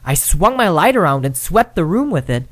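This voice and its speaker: A man voicing a timid young man who stammers and blames himself, then slowly tells a ghost story in an amateur audio drama. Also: a little high, big pitch swings, a bit bright, no room sound. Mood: storytelling. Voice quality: hesitant, stammering.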